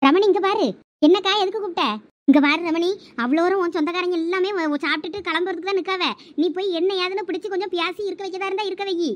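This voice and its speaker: A woman doing squeaky quarrelsome village women. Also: steady tone, fast talker. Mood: bossy. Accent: Thoothukudi Tamil. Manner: quarrelsome, complaining. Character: bickering young village women and wives. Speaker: cartoon voice actor. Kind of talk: comic cartoon family drama.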